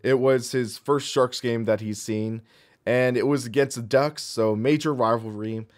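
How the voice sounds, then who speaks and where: Hoarse man chatting through a stream. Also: mid-range voice, fairly even intonation, unhurried. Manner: chatty, thinks aloud while clicking menus. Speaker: sim racing streamer. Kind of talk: casual live-stream commentary.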